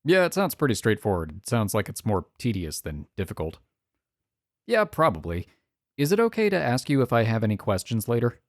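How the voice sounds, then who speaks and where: A woman's voice: extremely low pitch, sing-song, a little fast, no echo, clean studio sound. A woman reading visual novel text aloud as a let's player, slipping in casual, wry, joking asides.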